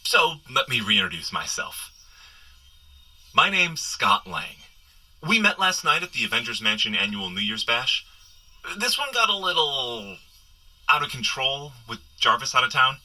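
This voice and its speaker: An actor playing a sheepish, wisecracking hungover superhero, chatting and rambling self-deprecatingly in a comedic audio drama. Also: male voice, mid-range voice, sing-song, a little slow, bright, forceful tone, full character voice, rough recording.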